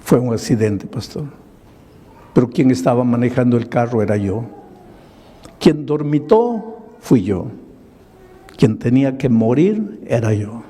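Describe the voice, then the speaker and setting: A broken, remorseful middle-aged drunkard pours out his confession in a pleading voice, as an older pastor acts him out. The voice is husky and mellow. It echoes through a large hall. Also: mid-range voice, expressive, a little slow, long pauses. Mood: grieving.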